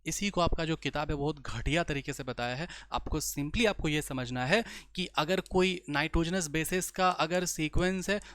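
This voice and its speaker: A young man teaching biology in a lecture, often pausing to check the class follows. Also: on the high side, a bit bright, smooth, no room sound. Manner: slow explaining, many rhetorical checks. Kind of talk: online exam-prep lecture.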